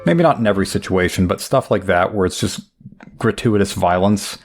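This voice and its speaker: A man's voice: deep voice, lively intonation, fairly quick, soft background music. A young man giving rambling, wry, self-deprecating commentary while playing a game. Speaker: gameplay commentator. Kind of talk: casual let's play commentary.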